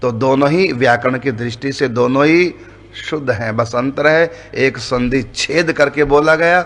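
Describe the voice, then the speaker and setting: A man's voice: medium pitch, measured pace, a bit bright. A man giving a devotional discourse, patiently explaining points of grammar and pronunciation, often posing questions and answering them himself. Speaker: spiritual teacher.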